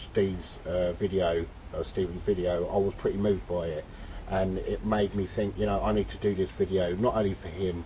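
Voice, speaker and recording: A man with a very deep, low pitch talks at a fairly quick pace, his intonation fairly even. His tone is dark and mellow, with vocal fry. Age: 30s. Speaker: visual effects artist and YouTuber. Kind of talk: personal vlog monologue. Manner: halting, many fillers.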